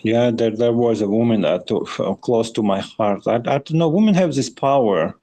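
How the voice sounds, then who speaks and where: A man co-hosting a podcast, chatting in a casual, rambling way with halting, hesitant phrasing and repeated words. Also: medium pitch, expressive, warm tone. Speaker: podcast co-host.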